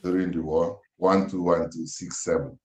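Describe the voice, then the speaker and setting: Deep-voiced Nigerian man on an echoey phone call. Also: level tone. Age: 50s. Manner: slow, emphatic, grave. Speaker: interviewer on a call. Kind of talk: impassioned questioning, near-sermon.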